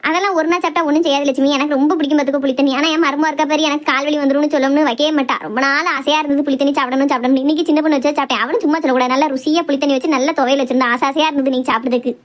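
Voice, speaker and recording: Cartoon role: kindly old aunt, put on by a woman, chatty and homely, quick delivery. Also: high-pitched, fairly even intonation, voice pushed down, lightly acted. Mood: fond. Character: kindly old village aunt, mother-in-law. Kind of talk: cartoon voice acting.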